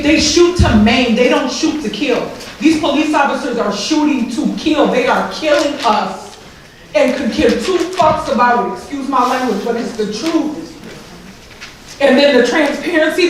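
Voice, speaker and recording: A tearful woman speaks with raw, halting passion, her fairly high voice stumbling over repeated words. She is picked up from a distance in a very echoey room, with a faint hiss of noise underneath. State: tearful, emotional. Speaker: grieving mother speaking at a press event. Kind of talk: emotional public speech.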